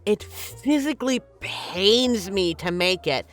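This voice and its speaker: A woman's voice: mid-range voice, animated, slow, faint music behind. A woman playing a flirty, teasing but caring bartender in an intimate, conversational audio roleplay. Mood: caring, wry. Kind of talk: intimate scripted roleplay, ASMR-like.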